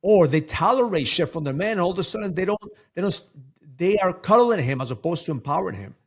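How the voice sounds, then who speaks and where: A man's voice: high-pitched, expressive, fast. A man talking as a guest coach in a casual interview, emphatic and preachy, often repeating words for stress.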